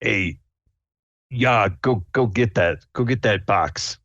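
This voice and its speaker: A man voicing a weary, gruff male brown bear disguised as a person in a tabletop game. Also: lowish voice, slow pace, fairly bright tone, no room sound, muffled recording, pitched above the performer's own voice, heavily acted. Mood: bossy.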